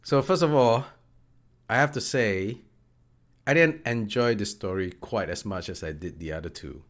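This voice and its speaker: A man with a fairly low voice and moderate pace co-hosts a podcast while sounding a bit nasal from a cold. He talks enthusiastically about a story in a casual book discussion, hesitating with many fillers.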